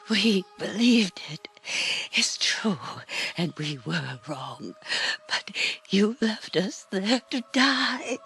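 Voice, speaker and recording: An actress playing an anguished, bitter and unstable dying sister in a horror game, theatrical and breathy, often dropping into whispers. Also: female voice, medium pitch, big pitch swings, a bit bright, exaggerated voice. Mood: accusing. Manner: theatrical, tormented, drawn-out phrasing. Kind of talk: dramatic horror game acting. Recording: music behind the voice. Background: dramatic music.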